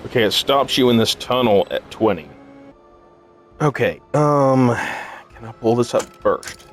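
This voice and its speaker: Male gamer, sleep-deprived, unhurried and halting, musing to himself over puzzle play, music underneath. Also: medium pitch. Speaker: gaming video host. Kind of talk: casual puzzle game let's play commentary, thinking aloud. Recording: music behind the voice. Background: game music.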